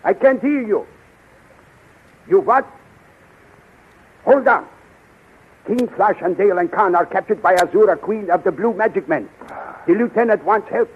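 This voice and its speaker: An actor playing an eager, precise, deferential scientist-inventor in a 1930s radio serial, speaking with earnest emphasis. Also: male voice, sits high, expressive, measured pace, long pauses, husky, full character voice. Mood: urgent. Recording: muffled, tinny 1930s radio recording.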